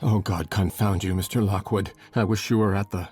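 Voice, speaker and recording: A man playing a shaken, harsh master of the house who talks loudly and angrily through gritted teeth. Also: low voice, steady tone, normal speed, breathy edge, faint music behind. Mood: angry.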